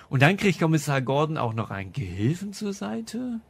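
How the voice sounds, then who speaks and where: Husky, higher-pitched man, chatty podcast host. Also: sing-song, moderate pace. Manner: enthusiastic, laughs often while talking. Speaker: podcast host reviewing audio dramas. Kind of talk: casual chatty review.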